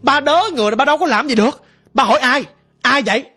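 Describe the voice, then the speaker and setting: A woman's voice: high-pitched, fast talker, bright, forceful tone, slightly rough. A woman narrating a ghost story in first person, vivid and emphatic.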